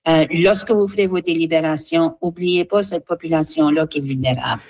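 Woman guest, low-pitched, earnest and halting. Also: darkish tone. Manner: earnest, halting, with many fillers. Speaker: guest, seniors' association representative. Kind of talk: radio interview, advocacy.

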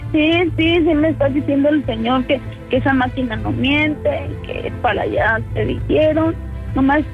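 A high-pitched, tearful woman pleads with her son over a tinny phone line. She is anxious and keeps repeating herself, and faint music runs behind her. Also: moderate pace. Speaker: mother on a phone call.

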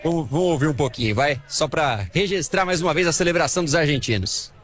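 Lively young Brazilian field reporter. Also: male voice, a little high, quick pace. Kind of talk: live news report from the field. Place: outside a football stadium.

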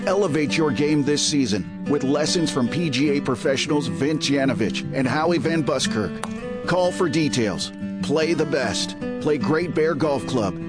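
Male ad announcer over guitar music. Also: a little high. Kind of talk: scripted radio ad read. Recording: radio ad with guitar music bed.

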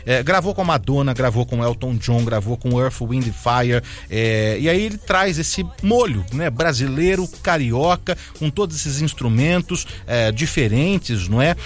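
A male radio presenter talks through a feature in an easy, chatty way, with a mid-pitched voice. He strings his story along with fillers and asides. Soft music plays faintly under the broadcast sound. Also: animated, measured pace, hardly any pauses.

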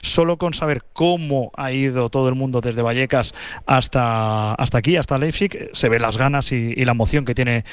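A man gives a live sports report for radio, fluent and upbeat. His voice is smooth and clean, recorded close and dry. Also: mid-range voice, moderate pace, dry recording. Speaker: field reporter.

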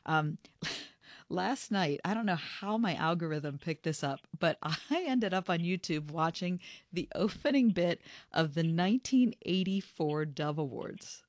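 Woman, host, casual interview, enthusiastic, lowish voice, dry. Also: animated, dry recording. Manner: enthusiastic, laughs easily, quick asides.

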